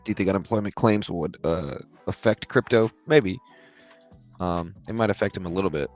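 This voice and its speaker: A tired man with a very deep voice, hosting a live trading stream in a relaxed, rambling way and answering chat questions. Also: moderate pace, muffled recording, faint music behind. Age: adult with a daughter. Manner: relaxed, rambling, filler-heavy explaining. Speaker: livestream trading host. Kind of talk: casual live market commentary, reading chat questions.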